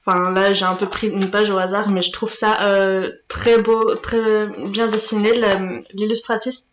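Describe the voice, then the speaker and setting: A woman's voice: medium pitch, level tone, a little slow, slight background noise. A woman hosting a casual book review vlog, chatty and hesitant with many fillers and restarts. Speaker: booktuber. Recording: echoey room.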